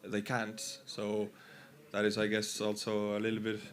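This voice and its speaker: A man's voice: fairly low pitch, completely flat delivery, moderate pace. A man talking in an informal, explanatory way in a panel discussion. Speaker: interviewer.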